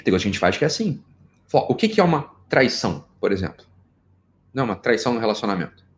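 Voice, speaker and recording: A man's voice: lowish voice, fast talker. A middle-aged Brazilian man giving an informal psychology lecture, joking and firing off rhetorical questions. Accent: Brazilian Portuguese. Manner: animated, jokey, rhetorical questions.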